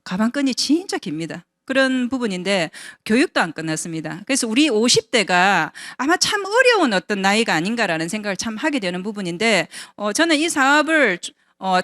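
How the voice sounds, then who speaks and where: A woman's voice: medium pitch, very animated, a little fast, hardly any pauses, fairly bright tone, no room sound, studio quality. A woman in her fifties giving a personal testimony at a business seminar, talking conversationally and asking the audience rhetorical questions. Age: 50s. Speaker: invited speaker at a business seminar.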